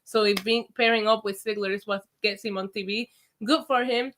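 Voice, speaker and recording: A woman's voice: mid-range voice, fairly quick, a little hiss or hum. A woman from Puerto Rico with a mixed Puerto Rican and New York accent, co-hosting a wrestling podcast in opinionated casual chat. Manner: animated, opinionated, laughs often. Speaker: podcast co-host.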